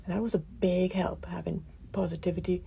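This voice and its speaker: A woman physician giving a radio interview, with a croaky voice from a damaged vocal cord nerve, explaining things calmly with many pauses. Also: on the low side, slight background noise. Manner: calm, explanatory, pauses often.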